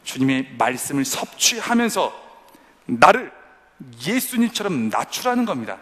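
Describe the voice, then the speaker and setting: Male pastor, preaching a sermon, dramatic voicing of quoted lines, high and animated, echoing hall sound. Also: moderate pace. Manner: dramatic, acts out quoted prayers and complaints. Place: church service for young adults.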